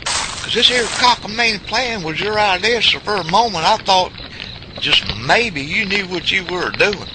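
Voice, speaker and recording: A man's voice: high-pitched, expressive, a little slow. A man playing a sarcastic, hot-headed backwoods fellow with a twangy Southern US accent in an audio drama. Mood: sarcastic, complaining. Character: hot-headed, sarcastic rural Southern good ol' boy. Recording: clear outdoor ambience noise behind voice.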